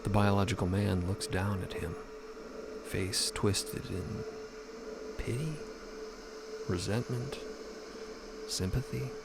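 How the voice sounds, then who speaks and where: Male narrator over very loud background noise. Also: fairly low pitch, slow pace, creaky, pauses often. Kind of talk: dramatic scripted narration.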